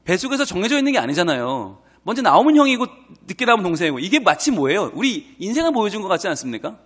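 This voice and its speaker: Middle-aged male pastor with a Busan accent, high voice with wide swings, preaching a dawn sermon and acting out dialogue. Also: very fast. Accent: Busan Gyeongsang Korean. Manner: animated preaching that acts out quarrelsome dialogue; asks the congregation rhetorical questions. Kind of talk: early-morning prayer sermon.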